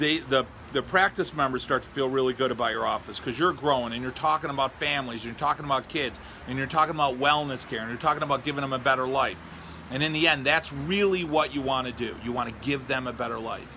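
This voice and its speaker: Over noticeable background noise, a man talks very fast at a medium pitch with an animated tone. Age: 50s. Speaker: chiropractic business coach. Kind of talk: casual livestream talk to camera. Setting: outdoors on a porch.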